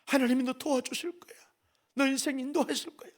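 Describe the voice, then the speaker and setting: A man voicing a gentle mother quietly reassuring her son. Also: very high voice, fairly even intonation, a little fast.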